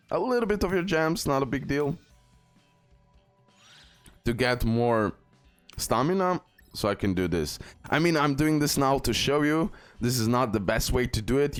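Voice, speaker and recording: A man who speaks English as a second language gives a casual, instructive mobile game tutorial, repeating and stressing his key tips. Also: fairly low pitch. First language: not English. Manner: instructive, repetitive, emphatic about key tips. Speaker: gaming video creator and guide.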